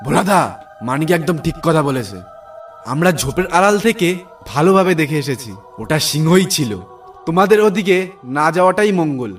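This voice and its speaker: A man's voice: on the high side, expressive, fairly quick, recorded from a distance, faint music behind, close to an everyday voice. A man voicing a frightened woodsman in a cartoon warning villagers away from the forest.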